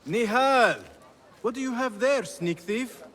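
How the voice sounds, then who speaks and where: A man playing a respectful, earnest young Arab assassin in a video game, with formal, measured speech. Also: extremely high pitch, fairly bright tone, exaggerated voice. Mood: brotherly exasperation. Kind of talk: video game cutscene acting.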